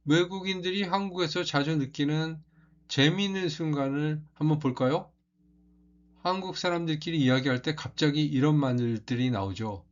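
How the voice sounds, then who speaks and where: Calm man explaining a lesson. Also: a little high, moderate pace, muffled recording. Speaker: Korean language teacher.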